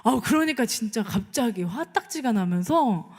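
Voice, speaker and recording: A woman's voice: a little high, lively intonation, moderate pace, darkish tone. A middle-aged woman pastor preaching a sermon in a chatty, storytelling way, often asking the congregation for agreement. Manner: conversational, asks the congregation for agreement, acts out dialogue. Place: church sanctuary. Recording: long church reverb.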